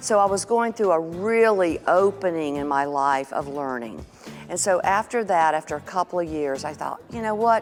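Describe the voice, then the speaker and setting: A woman speaks with a North Carolina accent, her fairly low pitch carried by lively intonation at a moderate pace. Music plays in the background. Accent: Southern US (North Carolina). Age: 60s. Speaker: health educator. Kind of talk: interview storytelling. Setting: interview at health industry event.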